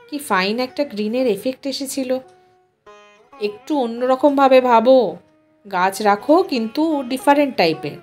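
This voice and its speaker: An opinionated student son in his early twenties from an audio story acted by a woman. He is breezy, bossy and a bit snobbish, sprinkling in English. The voice sits fairly high over music. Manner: bossy, mixes in English words.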